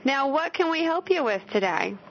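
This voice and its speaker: Bright-voiced woman radio co-host, giggly and teasing, dull lo-fi broadcast sound. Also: high voice, big pitch swings, normal speed. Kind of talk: casual banter on a home-improvement call-in show.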